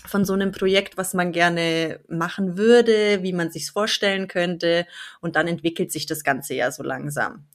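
A woman in her thirties from the Allgäu in southern Germany, speaking earnestly and enthusiastically as an interview guest. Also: fairly low pitch. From Allgäu, Bavaria, southern Germany. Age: 30s. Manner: enthusiastic, earnest, laughs easily. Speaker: interview guest, blog founder and editor. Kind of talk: conversational podcast interview.

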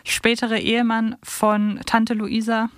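Female co-host, casual podcast chat, lightly raised pitch, dry close sound. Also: completely flat delivery, takes it slowly, no echo.

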